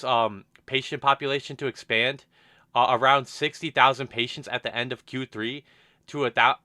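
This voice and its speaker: A man's voice: mid-range voice, sharp tone, no echo, clean studio sound. A man hosting an investment channel, talking through a company's quarterly results in an unscripted, thoughtful way with frequent restarts and fillers. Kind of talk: unscripted stock analysis monologue.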